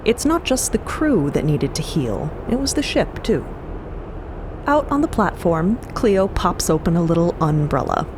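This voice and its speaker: A woman narrating a scripted story in a conversational way, with clear ambient noise behind her. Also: on the low side, big pitch swings, measured pace.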